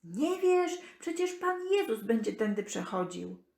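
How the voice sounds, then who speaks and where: A woman's voice: fairly high pitch, big pitch swings, unhurried, gravelly, a little mellow, full character voice. A woman voicing insistent, bossy passers-by from a crowd in a children's Bible story. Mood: informing. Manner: scolding, insistent calling. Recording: echoey room.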